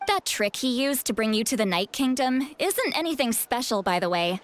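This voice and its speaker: A woman's voice: fairly high pitch, expressive, moderate pace, slight background noise, natural voice. A woman voicing a confident, playful female tribal elder and mentor in a video game. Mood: explaining.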